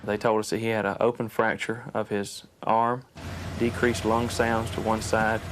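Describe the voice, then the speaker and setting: Male paramedic, lowish, flat delivery, clinical, noisy background. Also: moderate pace. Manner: clinical, even reporting. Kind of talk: interview testimony.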